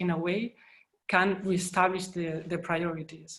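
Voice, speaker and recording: Speaking at a fairly slow pace, a woman has a Spanish accent. Her medium-pitched voice is somewhat breathy. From Spain. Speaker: author. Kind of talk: panel discussion.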